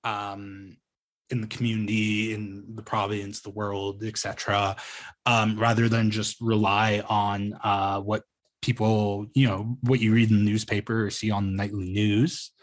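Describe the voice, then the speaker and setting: A man in his thirties from Ontario, a journalist talking about his career in a casual interview over a video call, pausing often with ums and restarts. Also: on the low side, flat delivery. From Ontario, Canada. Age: 30s. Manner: hesitant, many ums and restarts. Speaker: journalist guest.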